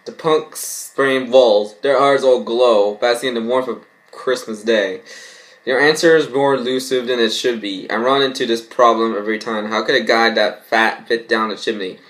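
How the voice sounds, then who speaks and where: Halting young man reading aloud casually. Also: mid-range voice, steady tone, a bit bright, low-quality recording. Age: young adult. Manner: halting, stumbling over words. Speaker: vlogger reacting to and reading fan fiction. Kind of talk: casual rambling reaction and amateur read-aloud. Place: small home bedroom.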